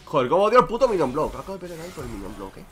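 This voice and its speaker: Lively, fast-talking streamer guy. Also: fairly high pitch, a crowd in the background. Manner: crude, joking, talks to chat. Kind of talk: casual gameplay commentary.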